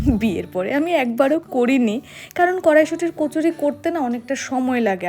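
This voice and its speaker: A young woman from Agartala chatting to her viewers as she vlogs her day and tells little stories. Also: on the high side. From Agartala, Tripura, India. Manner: chatty, warm storytelling to viewers. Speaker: vlogger. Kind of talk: casual vlog narration.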